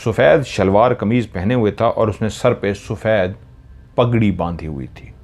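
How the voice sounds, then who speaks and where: A man's voice: lowish voice, a little slow, a little mellow. A man retells a horror story dramatically, correcting himself as he goes.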